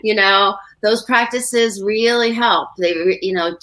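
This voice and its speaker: A woman's voice: medium pitch, measured pace, fairly bright tone, rough recording. A woman co-hosting a livestream talk show, chatting casually and giving practical advice with personal examples, full of fillers.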